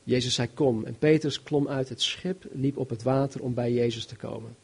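A man preaching a sermon, reading Bible verses and explaining them in an animated, emphatic way, swinging between loud and soft. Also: medium pitch, moderate pace, gravelly, slightly rough. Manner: animated, emphatic, varies loudness widely.

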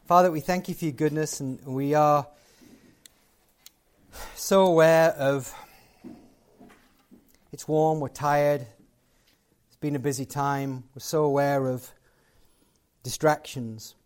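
A man's voice: fairly high pitch, steady tone, slow pace, long pauses, a little mellow, clear, resonant tone. A man giving a closing sermon and prayer to a live gathering, conversational and building to emphatic points. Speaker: guest preacher.

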